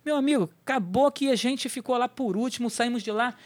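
A man's voice: very high-pitched, a little fast. A man sharing a personal testimony on a church talk show, telling the story with energy and acting out the voices of people in it.

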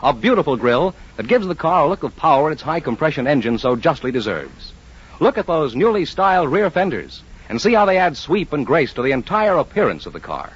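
Eager announcer man with a lively pitch. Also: a little fast, breathy edge. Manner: bright, eager sales delivery. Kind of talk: announcer reading ads and rules. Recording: muffled old radio broadcast.

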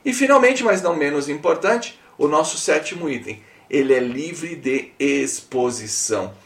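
A Brazilian man coaches his listeners with emphasis, speaking straight to them in a gravelly, creaky voice. He sits a little back from the microphone, so his voice sounds distant. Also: on the high side, lively intonation, moderate pace, fairly bright tone. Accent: Brazilian Portuguese. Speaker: podcast host, coach. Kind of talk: podcast monologue.

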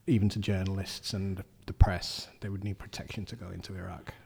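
Husky forties guy from sheffield, lowish voice, just explains things plain and straight. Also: level tone, brisk, darkish tone. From Sheffield, England. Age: 40s. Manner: plain, matter-of-fact explanations. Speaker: author and guest. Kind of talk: interview answers.

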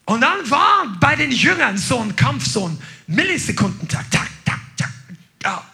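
A man preaching a sermon, energetic and exclaiming to his congregation. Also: extremely high pitch, moderate pace, creaky, soft background music. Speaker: pastor.

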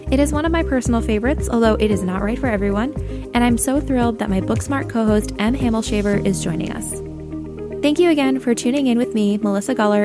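A young adult woman with a soothing voice, hosting her own podcast and calmly giving friendly advice like a teacher. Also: a little high. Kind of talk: solo educational podcast talk.

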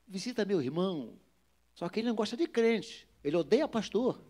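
A man's voice: high-pitched, expressive, a little fast, dark tone, pitched above the performer's own voice. A man voicing a woman who urgently pleads with a pastor to visit her brother. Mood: pleading.

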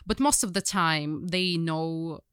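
A woman's voice: sits low, slow, a bit bright, smooth, no echo, clean studio sound. A young woman with a Ukrainian accent, a journalist guest telling her story in casual conversation, rambling with many fillers and restarts.

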